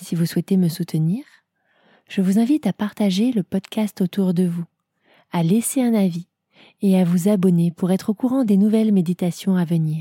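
A woman speaks in a soothing, calm, somewhat breathy voice with a dark, mellow tone at medium pitch with ordinary variation, taking long, frequent pauses at very even loudness, on a very clean recording with a silent background and a dry, close sound with no echo. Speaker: yoga teacher and meditation guide. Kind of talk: guided meditation. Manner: soothing, slow, calm; soft-spoken, gentle.

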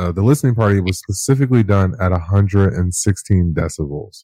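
On a very clean recording with a silent background, a man with a fairly low, dark, mellow and somewhat breathy voice speaks at a moderate pace with ordinary pitch variation. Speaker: soccer podcast co-host. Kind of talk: casual chat. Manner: venting, animated.

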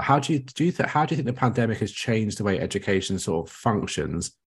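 A man with an unremarkable speaking voice talks at a fairly quick pace and medium pitch, with lively intonation over a quiet background. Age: 30s. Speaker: podcast host. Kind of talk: casual chat.

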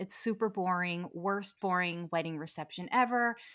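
A woman talks at a fairly slow pace in a northeastern Pennsylvania accent with ordinary pitch variation. The recording is very clean, with a silent background. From Pennsylvania, US Northeast. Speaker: podcast co-host. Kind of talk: casual chat.

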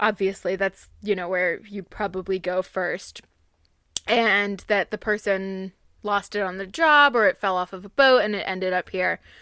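A woman talks at a moderate pace and medium pitch, with a bright, sharp tone. The sound is dry and close, with no echo. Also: ordinary pitch variation. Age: 20s. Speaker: podcast co-host. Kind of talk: casual chat.

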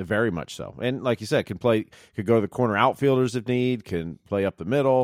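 A man talks in a normal speaking voice at medium pitch. His pace is fairly quick, with ordinary pitch variation. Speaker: sports podcast co-host. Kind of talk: casual sports chat.

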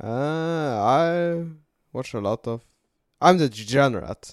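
Someone with a Norwegian accent uses lively intonation on a very clean recording with a silent background. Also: man. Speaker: podcast co-host, HVAC engineer. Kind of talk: casual chat. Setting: bar.

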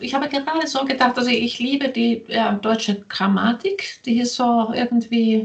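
A woman with a Finnish accent, fairly high pitch and a fairly slow pace, amid noticeable background noise. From Finland. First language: Finnish (speaking German). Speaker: language teacher and podcaster. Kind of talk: casual interview. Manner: hesitant with many fillers.

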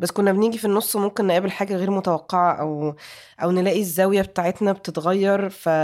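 A woman speaks with an Egyptian accent at medium pitch. Her intonation is monotone and flat, her pace fairly quick. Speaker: podcast host and producer. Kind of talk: casual conversation about the podcast season.

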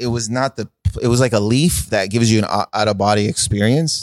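On a very clean recording with a silent background and a dry, close sound with no echo, a man in a normal speaking voice talks at a fairly quick pace. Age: 40s. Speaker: comedian. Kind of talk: casual chat. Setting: studio.

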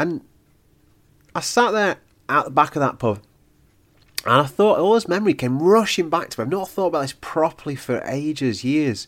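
A voice with a British accent moves at a moderate pace with very wide pitch swings and long, frequent pauses, on a very clean recording with a silent background. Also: man, fairly high pitch for a man. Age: 40s. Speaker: podcast host and storyteller. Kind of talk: storytelling monologue. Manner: hesitant, with repetitions.

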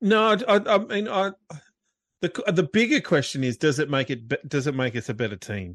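With an Australian accent, the speaker talks at a moderate pace and makes very wide pitch swings. The sound is dry and close with no echo, and the background is quiet. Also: man, fairly high pitch for a man. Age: 30s. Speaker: podcast co-host. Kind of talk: casual chat.

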